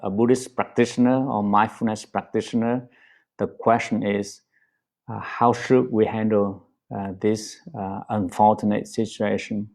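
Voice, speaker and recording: Brief: male Buddhist teacher, Vietnamese accent, gentle halting delivery, low pitch. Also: gravelly. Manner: slow and gentle, many pauses and fillers. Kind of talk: dharma talk on a livestream.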